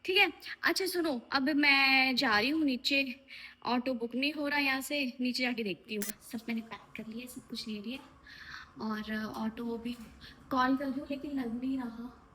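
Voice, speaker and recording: A woman's voice: high-pitched, normal speed, bright, forceful tone, a little hiss or hum. A young woman vlogging casually to her viewers, chatty and affectionate as she goes through her day on the way to a shoot. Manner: chatty, talks to viewers as "lovelies". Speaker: vlogger and actor. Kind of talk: casual vlog chat to camera. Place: home, then a film set dressing room.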